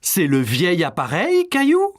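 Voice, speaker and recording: A woman playing a cheerful grown-up in a dubbed cartoon, speaking in a very expressive, sing-song way. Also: on the low side, a little slow. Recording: cartoon soundtrack with music beneath.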